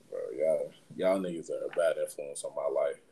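A man with an African American accent bantering casually as a podcast co-host, animated and slangy, often repeating himself. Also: rumbling low, a little slow, slight background noise. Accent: African American English.

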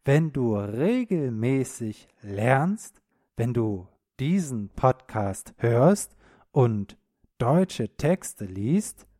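A man hosting a podcast lesson for German learners, speaking slowly and clearly in an encouraging tone, often checking in with a quick question. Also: medium pitch, very animated, mellow, no room sound, clean studio sound. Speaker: podcast host and German teacher.

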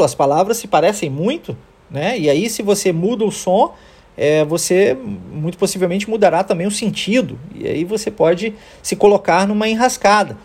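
Husky Brazilian man teaching English. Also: sits high, a little mellow. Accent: Brazilian Portuguese. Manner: explanatory, checks in with "tá?" and "ok?". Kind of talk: podcast language lesson.

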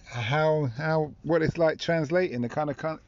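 A man's voice: on the high side, normal speed, no echo, lo-fi sound. A man hosting a casual, spontaneous interview inside a taxi, asking loose conversational questions. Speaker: podcast host interviewing taxi passengers.

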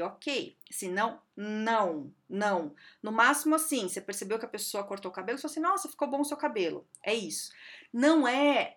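A middle-aged woman from Brazil giving casual workplace advice to camera, chatty and lively, often acting out quoted remarks in mock voices. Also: medium pitch.

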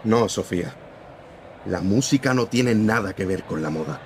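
A man's voice: lowish voice, expressive, moderate pace, a little hiss or hum. An actor playing a firm, principled newspaper editor-in-chief who lectures his young reporter in a radio drama. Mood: earnest. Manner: firm, lecturing, morally serious.

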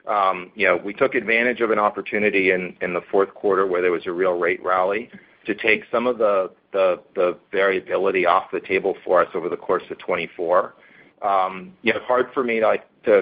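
A male company executive answering analyst questions on an earnings call, halting and often repeating words as he restarts. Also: low-pitched. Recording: tinny phone-line conference call.

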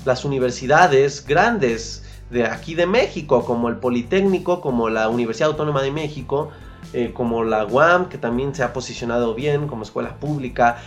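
Mexican-accented podcast host, motivational monologue, mid pitch, faint music behind. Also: moderate pace. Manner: coaching, repeats key phrases, colloquial slang.

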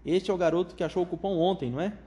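A man voicing an eccentric, excitable chocolate factory owner with a high, flute-like voice who gushes out strings of welcomes. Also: close to an everyday voice. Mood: gushing. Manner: gushing, rapid strings of enthusiastic welcomes.

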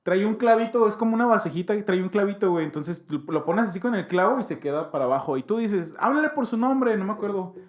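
A man's voice: high-pitched, fast, hardly any pauses. Slangy young Mexican man telling stories. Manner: slangy, animated, mimics voices in quotes. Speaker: storyteller. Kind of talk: casual chat.

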